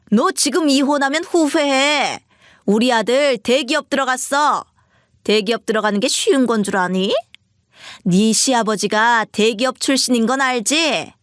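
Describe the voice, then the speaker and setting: Lady putting on a shrill bossy old mother-in-law, high and scolding, dry sound. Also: a bit bright, no echo. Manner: scolding, indignant, wailing. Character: pushy, shrill older mother-in-law, woman.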